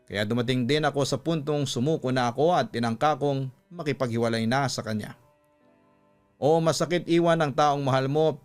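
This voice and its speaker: A man narrating a scripted love story for radio in an emotive, deliberate storytelling manner. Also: mid-range voice. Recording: music under the voice.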